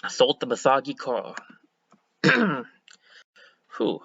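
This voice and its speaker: Casual male game streamer, slightly hoarse, bright tense tone, thinks out loud; dry, dull home mic. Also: mid-range voice, sing-song, slow pace, no room sound. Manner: chatty, self-correcting, thinks aloud. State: a bit hoarse. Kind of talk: casual let's-play commentary.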